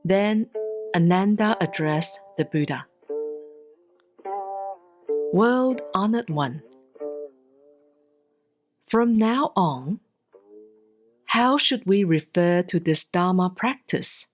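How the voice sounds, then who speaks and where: A woman reads Buddhist scripture as a monastic, in a solemn, measured and deliberate scripted style with pauses between phrases. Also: on the low side, animated. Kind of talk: solemn scripted sutra recitation, audiobook-like reading. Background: soft plucked guitar-like music.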